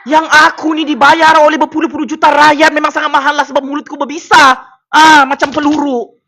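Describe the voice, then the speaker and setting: High, bright mocking Sabah Malay man. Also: flat delivery, fairly quick, gravelly. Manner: taunting, loud bursts and frequent exclamations. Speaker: political commentator streaming to viewers. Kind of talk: mocking livestream rant. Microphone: personal microphone at a desk.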